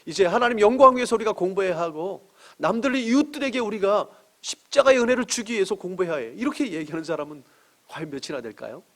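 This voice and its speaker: A middle-aged man preaching a sermon as pastor, earnest, asking rhetorical questions and swinging between emphatic rises and soft drops. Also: high voice, fast talker.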